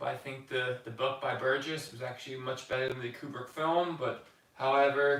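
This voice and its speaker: A mumbling man with an American accent at a moderate pace. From United States. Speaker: pro skateboarder. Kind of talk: casual livestream talk. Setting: live stream at home. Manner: animated.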